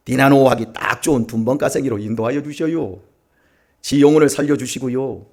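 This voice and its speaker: A male pastor delivers a Sunday sermon in a church sanctuary. His voice is a little husky and breathy, and it grows louder and more animated as he reads scripture in regional dialects. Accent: Gyeongsang Korean, put on for a reading. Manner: lively, raises pitch and volume when reading dialect.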